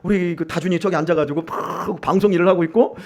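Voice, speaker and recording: A man's voice: high voice, steady tone, fast talker, darkish tone. A man preaching a sermon as pastor in a church, emphatic and repeatedly asking his congregation questions. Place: church sanctuary.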